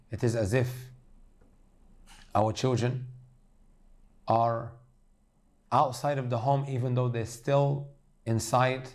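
A man's voice: mid-range voice, darkish tone. A man preaching an earnest sermon, addressing his listeners as brothers and sisters.

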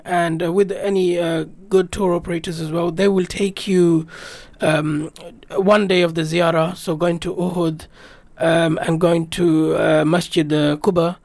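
The speaker is a British radio guest, a native English speaker, telling an earnest, reflective and rambling story of his travels. His high voice has a darkish tone and carries no echo.

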